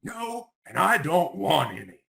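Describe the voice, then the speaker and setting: Guy doing a grumbly lil male gator for a kids book, lonely n spiteful, really animated. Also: high-pitched, unhurried, creaky, pitched above the performer's own voice, heavily acted. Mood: defiant. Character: lonely, spiteful young male alligator troublemaker. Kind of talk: picture-book character voice.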